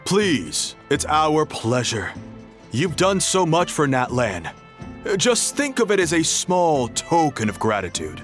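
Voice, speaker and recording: A man's voice: a little high, slow pace. A man playing a friendly, earnest and hospitable young tribal guardian in an anime game. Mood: gracious, earnest. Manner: friendly, expressive. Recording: music behind the voice.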